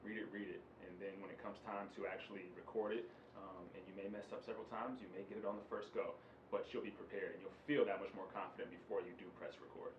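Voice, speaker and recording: Low voiced guy, talks fast, lots of ums, roomy echo, lo-fi with faint hum. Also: steady tone. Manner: rambling, lots of ums, earnest. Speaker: co-host, former radio broadcaster. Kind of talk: casual instructional chat. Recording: echoey lo-fi room with faint hum.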